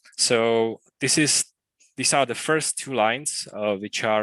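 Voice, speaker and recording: The speaker has a Czech accent and fairly even intonation. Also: man, dry, close sound with no echo. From Czech Republic. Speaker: conference speaker, software engineer. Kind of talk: conference tech talk. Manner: hesitant, many filler sounds.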